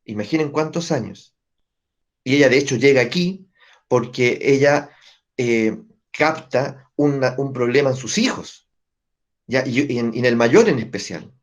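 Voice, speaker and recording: A man teaching family constellations to a group, explaining step by step and often checking in with his listeners through quick tag questions. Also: mid-range voice. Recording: dull lo-fi recording.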